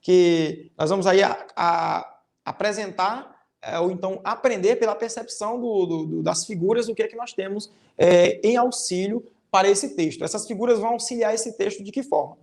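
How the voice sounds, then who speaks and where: A teacher with a Brazilian Portuguese accent leads a recorded online class for fifth graders, explaining each step carefully and ending many phrases with a tag question. Quoted example sentences are read with strongly exaggerated pitch swings. The voice has a darkish tone and moves at normal speed.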